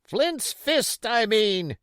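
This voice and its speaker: Man acting a furious, high-shouting blind pirate. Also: big pitch swings, extremely slow, clean tone, dry recording, studio quality, full character voice. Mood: fierce impatience. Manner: shouting, cursing, barking orders. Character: blind pirate beggar, furious, domineering, impatient villain. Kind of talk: audiobook character voice.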